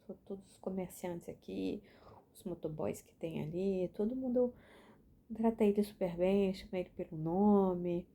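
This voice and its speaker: A woman's voice: mid-range voice, mellow. A young woman sharing a casual, chatty reflection with lots of fillers and restarts. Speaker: book reading vlogger.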